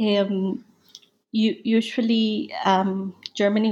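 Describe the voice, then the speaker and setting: A woman with a Spanish accent speaks in a dark, mellow tone, somewhat breathy, with fairly even intonation. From Dominican Republic. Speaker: historian and author. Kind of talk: interview about her book, academic.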